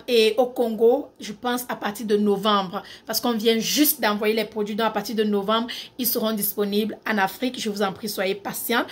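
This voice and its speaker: Woman, fairly high voice, casual vlog talk, emphatic, repeats herself, drops in English words. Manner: emphatic, repeats key phrases. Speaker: skincare brand owner.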